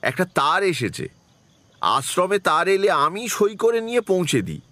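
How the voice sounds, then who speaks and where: An actor playing a polite, concerned head of an ashram, speaking hesitantly and deferentially in an audio drama. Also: male voice, high voice, big pitch swings, unhurried, pushed and bright, no echo, heavily acted. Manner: courteous, hesitant, solicitous. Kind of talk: audio horror drama acting.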